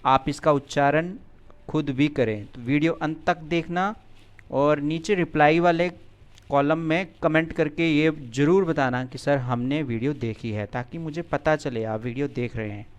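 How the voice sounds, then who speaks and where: A man's voice: fairly high pitch, clean tone. A male teacher in a video lesson, carefully pronouncing Sanskrit words and explaining the answers in plain everyday speech. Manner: slow, deliberate pronunciation drill, then plain explanation.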